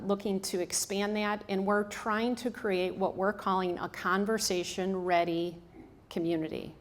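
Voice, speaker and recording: A woman in her fifties with a strong Michigan accent, giving a casual public talk to an audience with many ums and restarts. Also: medium pitch. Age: 50s. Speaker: hospice staff speaker. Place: room with a live audience.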